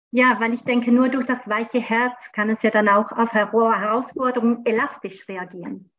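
A woman talks at a moderate pace with hardly any pauses in an ordinary speaking voice, fairly high in pitch with fairly even intonation. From Switzerland. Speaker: early childhood educator and adult educator. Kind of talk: podcast interview.

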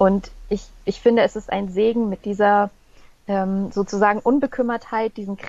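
A woman's fairly high voice with a dark, mellow tone, at a moderate pace. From northern Germany, Hamburg. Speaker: journalist. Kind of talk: interview.

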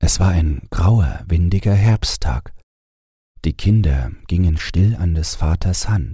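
A man's low, dark, mellow voice with a husky, rough edge, at a slow pace.

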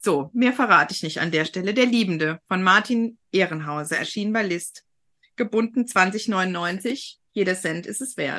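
A woman's medium-pitched voice with a bright, sharp tone, lively intonation, and a fairly slow pace. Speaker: podcast host and author. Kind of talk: casual interview chat about books.

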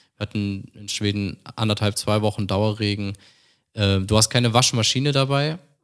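A plain, everyday voice talks at a moderate pace, with big swings in loudness. The recording is very clean, with a silent background. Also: man, fairly low pitch for a man. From Cologne, Germany. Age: 30s. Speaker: van-life traveller. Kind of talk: casual chat. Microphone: too far from the mic.

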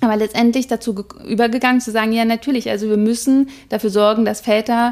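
At a fairly quick pace, a woman speaks in a normal speaking voice with fairly high pitch. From Germany, Berlin. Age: 30s. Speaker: journalist and author. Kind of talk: casual chat.

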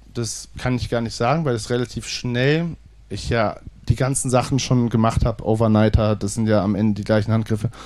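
With fairly even intonation, a man's voice carries a dark, mellow tone. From Germany, Cologne. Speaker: screenwriter and ultra-distance cyclist. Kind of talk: live podcast interview. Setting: stage with live audience.

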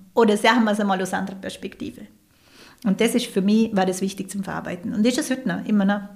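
A woman at a medium pitch, very fast, with fairly even intonation and noticeable background noise. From Austria, Vorarlberg. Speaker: single mother and blogger. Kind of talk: interview.

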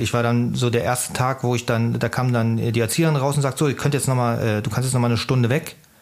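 With a plain, everyday voice, a man talks at a fairly quick pace and a medium pitch. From Berlin. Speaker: podcast co-host, father. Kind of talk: casual chat.

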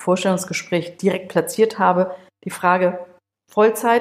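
A woman with an unremarkable speaking voice talks at medium pitch and a moderate pace on a very clean recording with a silent background. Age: 50s. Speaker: coaching client, finance industry employee. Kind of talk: interview.

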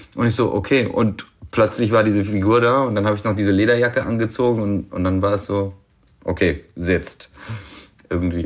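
A man at a fairly low pitch, moderate in pace, with ordinary pitch variation. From Hesse, Germany (born in Tehran). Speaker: actor. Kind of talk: casual chat. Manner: halting, many fillers.

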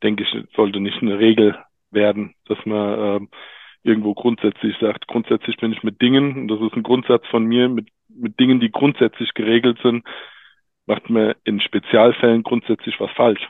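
Medium in pitch, a man's voice stays monotone with flat intonation. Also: moderate pace. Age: 40s. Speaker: master roofer, business owner. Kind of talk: interview.

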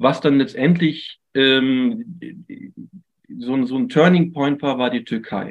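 With music in the background, a man speaks very slowly at a fairly high pitch. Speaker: traveller. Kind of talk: interview.

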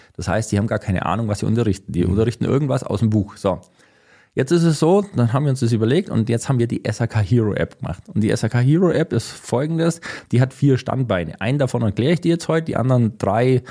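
A man with a dark, mellow tone speaks very fast at a medium pitch with lively intonation. The recording is very clean, with a silent background. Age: 40s. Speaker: craftsman, vocational teacher and athlete. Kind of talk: interview. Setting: studio.

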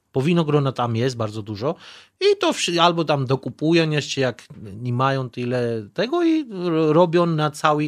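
A man with a Georgian accent and a fairly high pitch speaks at a moderate pace with ordinary pitch variation, in a dry, close sound with no echo. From Georgia, Tbilisi. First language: Georgian (speaking Polish). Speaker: restaurant owner and former tour guide. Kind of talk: casual interview. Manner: halting, with hesitations.

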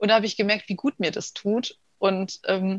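Against a quiet background, a woman speaks at a medium pitch and moderate pace with monotone, flat intonation, the sound dry and close with no echo. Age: 30s. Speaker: architect and mother, course participant. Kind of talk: interview, personal testimony.

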